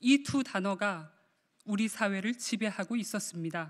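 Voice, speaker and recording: Delivered at a very slow pace with lively intonation, the speech sits over a quiet background. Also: woman. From South Korea. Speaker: politician, party leader; politician. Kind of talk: resignation speech at press conference. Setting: press room at the National Assembly. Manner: formal. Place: hall. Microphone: podium.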